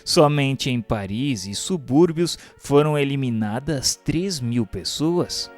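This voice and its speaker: A man with a Brazilian accent reads scripted historical narration in a formal, solemn, measured delivery. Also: mid-range voice, lively intonation. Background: music bed.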